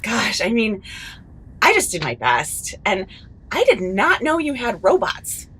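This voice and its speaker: Cheeky, bright-voiced sneaky woman. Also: medium pitch, sing-song, unhurried, breathy edge, full character voice. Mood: smug, teasing. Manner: chatty, mock-innocent, teasing. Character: cheeky, gleefully sneaky woman, chatty amateur snoop. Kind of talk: comedy audio drama acting.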